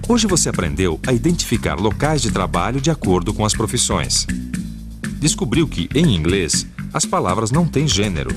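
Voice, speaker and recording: Male review announcer, low and lively voice, scripted, music bed behind. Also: moderate pace. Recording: voice over loud music.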